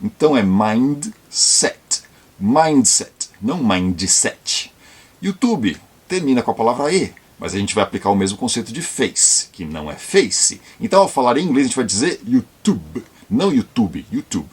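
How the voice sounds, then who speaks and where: A man from São Paulo with a São Paulo Brazilian accent, casually explaining tips for learning English and slowing down to model pronunciations. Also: medium pitch, very animated, a little mellow, breathy edge. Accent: Brazilian Portuguese, São Paulo. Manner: slow, deliberate when modeling pronunciation. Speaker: YouTube channel presenter.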